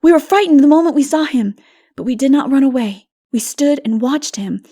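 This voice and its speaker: A woman voicing an earnest, innocent, frightened little boy in a dramatic storybook reading, with halting, childlike delivery. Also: high-pitched, expressive, warm tone, pitched above the performer's own voice. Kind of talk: dramatic audiobook character reading.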